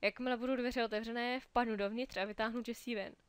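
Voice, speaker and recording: Storybook: woman doing a brave male toy space ranger, commanding and upbeat, slightly high. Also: fairly even intonation, clean tone, dry recording, natural voice. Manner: rousing, commanding calls to the other toys. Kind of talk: storybook character voice.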